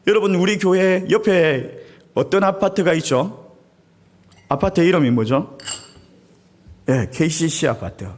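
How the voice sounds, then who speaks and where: A man's voice: sits high, measured pace, pauses often. A man, the senior pastor, preaching a Sunday sermon in a church sanctuary. He tells stories animatedly, acts out crowds and weeping, and keeps turning to speak straight to the congregation. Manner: often appeals directly to the congregation.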